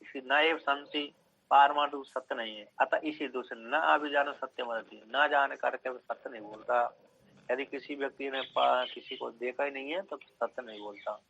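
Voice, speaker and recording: A man's voice: mid-range voice, steady tone, moderate pace, creaky, bright, forceful tone, slightly rough. A man giving a scripture lecture, explaining step by step, repeating phrases and checking that listeners follow. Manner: repeats phrases, checks understanding with short questions. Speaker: scripture teacher. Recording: dull lo-fi recording.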